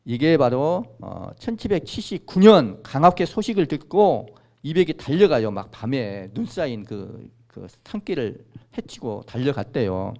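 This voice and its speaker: Older man lecturing, lively and mellow. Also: medium pitch, normal speed. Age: 60s. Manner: conversational, asks the audience questions. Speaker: Jesuit priest lecturer. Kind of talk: informal history lecture. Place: lecture room.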